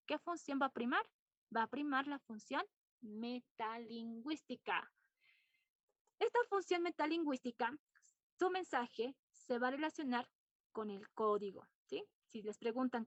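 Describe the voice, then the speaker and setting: Woman teacher lecturing her class, repeats stuff and quizzes them, kinda high voice, dull dry sound. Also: no echo. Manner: explains patiently, repeats points and quizzes students.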